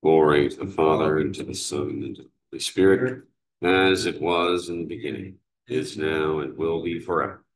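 A man leading morning prayer as a priest, reciting psalms, canticles and the creed in a measured, steady way, recorded from a distance in a large cathedral. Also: extremely low pitch. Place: large cathedral sanctuary, indoors. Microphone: far camera. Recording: echoey cathedral room sound.

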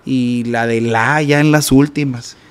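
A man with a Mexican accent, a guest musician telling a story in a casual interview, animated and repetitive, sometimes mimicking notes with "ta ta". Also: medium pitch, a little slow, smooth.

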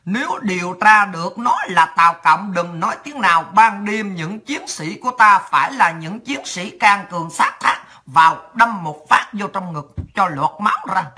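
A woman's voice: medium pitch, pushed and bright, husky. A woman with a Southern Vietnamese accent delivering a heated, sarcastic, coarse political rant as a commentator.

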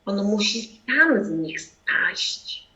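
A woman's voice: mid-range voice, sing-song, extremely slow, pushed and bright, heavily acted. A woman playing a matter-of-fact organizer of a scheme in an amateur radio play. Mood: approving. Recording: slightly muffled home recording.

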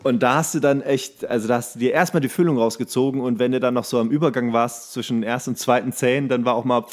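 A man's voice: mid-range voice, steady tone, quick pace. A man co-hosting a podcast, telling rambling, jokey anecdotes in casual banter. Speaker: podcast co-host.

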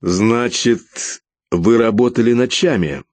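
A man reading an audiobook, voicing a smug, petty male welfare official who questions coldly and turns shrill when scared. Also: slow, no room sound, close to an everyday voice. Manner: smug and coldly calm, turning hysterical.

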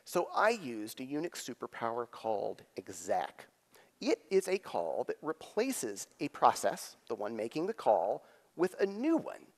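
A middle-aged man giving a live technical keynote on stage, explaining in an animated way with frequent pauses and emphasis. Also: medium pitch. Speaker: conference keynote speaker. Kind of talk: live technical presentation with demonstrations. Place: on stage in a theater, at a lectern. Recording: echoey theater hall reverb.

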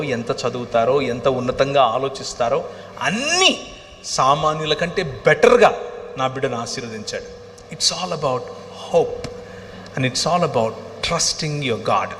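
A man's voice: medium pitch, bright, forceful tone. A middle-aged man, a pastor, giving an impassioned sermon testimony that swells at times into cries. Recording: reverberant hall, faint ambient noise.

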